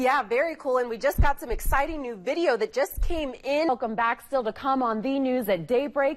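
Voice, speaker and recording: A woman speaks in a high voice. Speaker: TV news anchor. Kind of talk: news anchor reel, mixed anchoring and live reporting.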